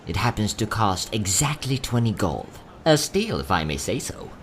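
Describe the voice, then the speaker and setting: A man playing a courteous, quietly sad young travelling merchant in a fantasy audio drama, speaking in polite, theatrical salesman's patter. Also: on the low side, sing-song, normal speed, slight background noise. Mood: wry sales patter. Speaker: voice actor.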